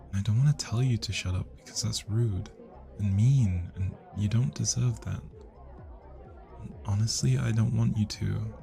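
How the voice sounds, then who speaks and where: A young man with a British accent playing a shy, flustered, sweet guy at a party in an intimate ASMR roleplay, speaking softly and hesitantly. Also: on the low side, creaky. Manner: hesitant, bashful, soft-spoken.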